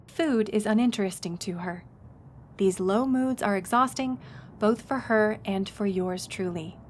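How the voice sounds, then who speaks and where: A woman's voice: medium pitch, unhurried, slight background noise, lightly acted. A woman playing a friendly, knowledgeable historic house tour guide in an audio roleplay, speaking in an informative, conversational way. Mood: solemn reading. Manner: conversational, informative, engages the listener with questions.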